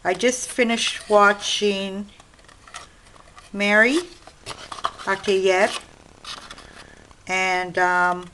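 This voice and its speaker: A chatty woman with an Italian-American accent talks through a craft project at her home desk, her voice sitting in an ordinary middle pitch. She explains each step as she cuts, with faint clicks and a little background noise, and keeps clearing an itchy throat. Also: little pitch movement, very slow, long pauses, sharp tone, rough recording. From Sicily. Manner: chatty, explaining while working with hands. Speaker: craft channel host. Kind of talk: casual craft tutorial.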